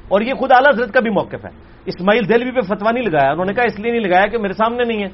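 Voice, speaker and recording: Animated man lecturing. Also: sits high, dull audio. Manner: forceful, animated, swings between loud emphasis and quiet asides. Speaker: religious scholar answering questions.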